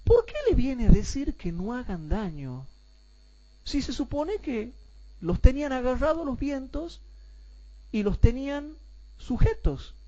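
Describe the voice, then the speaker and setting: A man teaching a Bible class, asking rhetorical questions and calling his listeners brothers, and repeating points slowly so everyone follows. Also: very high voice, big pitch swings, warm tone, lo-fi sound.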